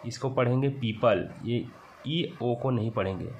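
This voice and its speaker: Hindi-accented male teacher explaining slowly. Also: mid-range voice, lo-fi sound, slight background noise. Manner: reads English words slowly, then explains them in Hindi. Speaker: English teacher. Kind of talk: classroom lesson explaining a text.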